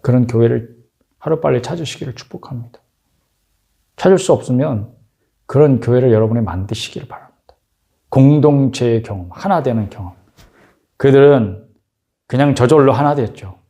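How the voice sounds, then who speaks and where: A man's voice: mid-range voice, moderate pace, creaky, long pauses, mellow. A man preaching a sermon as pastor, exhorting his congregation with rhetorical questions.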